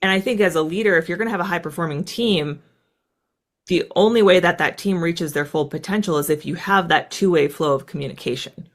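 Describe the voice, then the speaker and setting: A woman in her thirties from the United States, a guest in an interview, telling stories in a quick, animated way with plenty of "like" fillers. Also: lowish voice. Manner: fast, animated, lots of "like" fillers. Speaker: guest, former fighter pilot. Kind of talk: casual storytelling interview.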